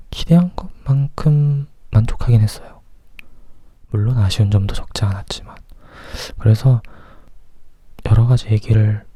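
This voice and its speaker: Korean guy leaning in to whisper asmr movie chat, super mellow n breathy, close dry mic. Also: fairly low pitch, dry recording. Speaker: movie review host. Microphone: close microphone.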